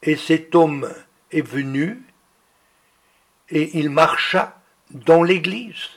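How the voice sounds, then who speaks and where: Slow gravelly male preacher. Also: fairly high pitch, a bit bright. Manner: slow and deliberate delivery. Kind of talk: sermon reading healing testimonies.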